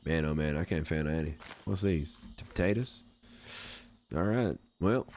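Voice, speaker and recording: A man's voice: a bass voice, moderate pace, a little mellow, a little hiss or hum. A man in his forties putting on an American Southern accent as a folksy, amiable frontier fellow with courtly phrasing, chatting casually on a game livestream. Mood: amiable, chatty. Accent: put-on American Southern. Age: 40s. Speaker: game streamer. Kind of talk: casual livestream chat in character.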